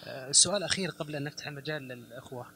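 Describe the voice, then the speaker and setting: A man's voice: medium pitch, very fast, gravelly, sharp tone, a little hiss or hum. A man hosting, asking a formal question politely. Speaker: host.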